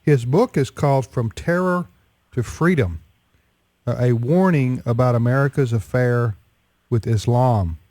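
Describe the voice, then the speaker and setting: Mellow-voiced male radio host. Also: mid-range voice, unhurried, dry recording. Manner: conversational, restarting often. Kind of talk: radio interview.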